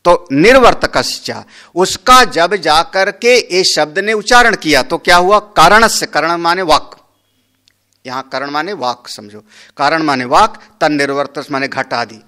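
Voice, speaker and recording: A man's voice: a little high, lively intonation, unhurried, sharp tone. A man, a Hindu swami, giving a scriptural discourse, explaining a Sanskrit verse word by word and asking and answering his own questions.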